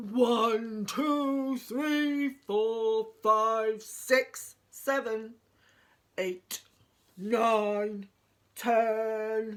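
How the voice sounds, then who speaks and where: A loud, bellowing, female-sounding put-on character voice that drags along at a very slow pace. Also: fairly high pitch for a woman, very clean recording, silent background. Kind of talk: playful. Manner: roaring, scary.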